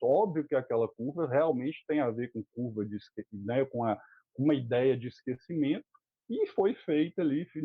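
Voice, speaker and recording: A man's voice: on the high side, husky, no room sound. Brazilian man explaining over a tinny line. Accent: Brazilian Portuguese. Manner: earnest, critical, many filler words. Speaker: guest teacher. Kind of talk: explaining in an interview. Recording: tinny phone-like dry line.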